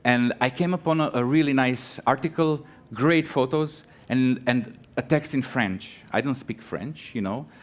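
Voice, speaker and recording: A man from Croatia in his thirties giving a live conference talk, halting with many fillers and restarts, friendly and chatty with the audience. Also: mid-range voice. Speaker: conference speaker. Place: conference stage.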